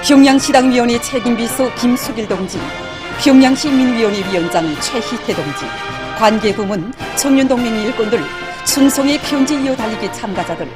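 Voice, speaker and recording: High-voiced North Korean woman newsreader over music. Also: fairly quick. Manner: solemn, formal, declamatory. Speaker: television news announcer. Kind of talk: scripted news narration. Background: music under the narration.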